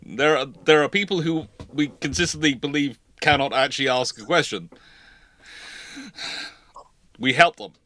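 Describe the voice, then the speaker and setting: His voice is fairly high and sharp, moving at normal speed but with long pauses. He hosts a live naval history Q&A, answering viewer questions in a relaxed, chatty, teasing manner.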